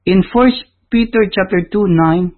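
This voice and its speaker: A man from the Philippines with a Filipino accent, preaching a sermon, whose first language is Tagalog. He speaks emphatically, with loud high stresses that drop low at the ends of phrases. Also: unhurried. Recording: tinny phone-like audio.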